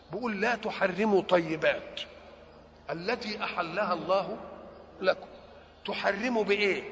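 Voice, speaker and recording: A man's voice: sits high, creaky, fairly bright tone, a little hiss or hum. A man with an Egyptian Arabic accent giving a sermon that explains scripture, often asking a question and then answering it himself. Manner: asks rhetorical questions and answers them himself. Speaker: religious lecturer. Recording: dull lo-fi recording with long hall reverb.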